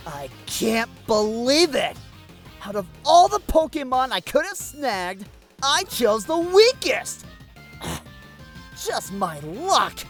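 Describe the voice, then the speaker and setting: A woman's voice: on the high side, very animated, slow pace, soft background music. A woman voicing a cocky, dramatic boy villain who is grandiose, petulant and easily flustered, in a comedic cartoon fan dub. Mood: self-pitying.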